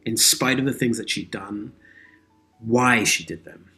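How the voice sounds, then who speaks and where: Low voiced guy being interviewed, earnest and thoughtful, kinda philosophical. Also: a little slow, sharp tone, soft background music. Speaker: interview guest, audio drama creator and actor. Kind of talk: reflective interview conversation.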